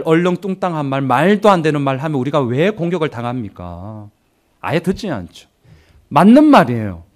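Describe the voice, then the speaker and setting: A male pastor preaching a sermon in an animated way, acting out the voices of others. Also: on the high side.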